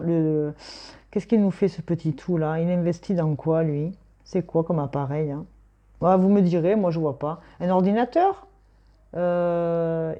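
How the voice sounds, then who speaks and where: Woman, middle-aged tarot reader; lowish, relaxed voice, talks freely and with emphasis. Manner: chatty, emphatic, thinks aloud with many fillers. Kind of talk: casual weekly tarot reading.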